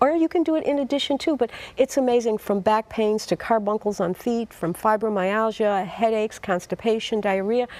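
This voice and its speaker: On a very clean recording with a silent background and a dry, close sound free of echo, a woman with an unremarkable speaking voice and fairly high pitch talks at a fairly quick pace with hardly any pauses. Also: ordinary pitch variation. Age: 60s. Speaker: raw food and detox teacher, restaurant owner. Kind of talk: TV talk show interview.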